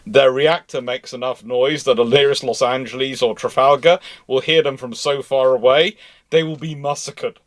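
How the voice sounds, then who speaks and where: A man's voice: medium pitch, fairly even intonation, moderate pace. A man in a casual live discussion of naval history, talking in a detailed, pedantic way. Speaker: live show panellist answering naval history questions.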